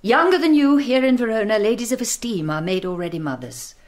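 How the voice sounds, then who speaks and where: A woman's voice: a little high, animated, a little fast, natural voice. An actress with a British accent playing an imperious, impatient noble mother, formal and commanding, in a Shakespearean radio drama. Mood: persuading.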